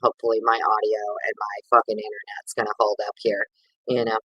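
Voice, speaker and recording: A man's voice: lowish voice, completely flat delivery, brisk, bright, forceful tone, breathy edge, dry recording, highs cut off. A man hosting a casual livestream, chatting with viewers in a rambling, over-caffeinated, sweary way. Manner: informal, sweary slang. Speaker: livestream host.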